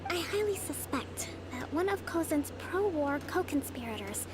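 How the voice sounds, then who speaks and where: High-voiced, dignified young priestess. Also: female voice, big pitch swings, music in the background, poor audio. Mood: grave, analytical. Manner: measured, formal, deliberate. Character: calm, dignified young priestess leader and strategist. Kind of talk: scripted video game voice acting.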